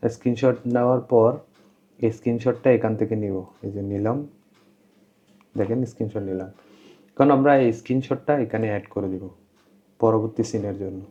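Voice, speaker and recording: A man's voice: mid-range voice, mellow. Slightly dull-sounding male tutorial presenter. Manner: repeats instructions, plain explanatory delivery. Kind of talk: informal step-by-step screen tutorial. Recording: dull, lo-fi voice-over.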